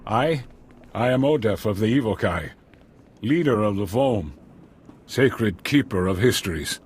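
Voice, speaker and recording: A man playing a solemn alien tribal chief in a video game, speaking formally and haltingly. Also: on the low side, animated, slightly rough, full character voice. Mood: solemn, wary. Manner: formal, halting, deliberate phrasing. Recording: loud background music.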